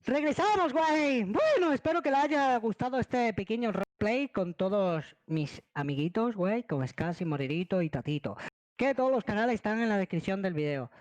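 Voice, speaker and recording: A young man with a Latin American accent chats and roleplays over a game. His pitch jumps around in a lively way and the sound is dry. He talks slangily and excitably. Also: normal speed, no room sound. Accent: Latin American Spanish. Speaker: gaming video creator. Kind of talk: casual gaming chat and roleplay.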